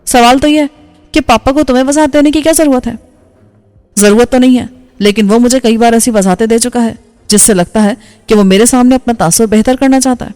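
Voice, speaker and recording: A woman voicing a bold, forward young woman who talks quickly and frankly. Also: on the high side, fairly even intonation, mellow, clean tone, big-room sound, soft background music, close to an everyday voice.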